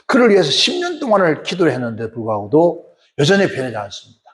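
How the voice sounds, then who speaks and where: A male pastor preaching a sermon with animated, folksy storytelling. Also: fairly high pitch, quick pace.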